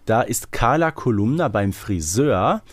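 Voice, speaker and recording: A man's voice: mid-range voice, lively intonation, measured pace, breathy edge, dry recording. Man chatting on a podcast, dry sound. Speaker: podcast co-host. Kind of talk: casual podcast discussion.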